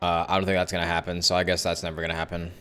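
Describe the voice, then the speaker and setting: A man's voice: low voice, monotone, rapid-fire, sharp tone, smooth. A man casually commentating on a game live stream, rambling as he chats with viewers. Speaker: game livestreamer. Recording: game music behind the voice.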